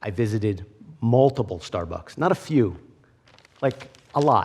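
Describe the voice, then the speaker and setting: At a fairly slow pace, a man speaks in a somewhat breathy voice of medium pitch. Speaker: zoning board chairman. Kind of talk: public meeting discussion. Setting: zoning board meeting room.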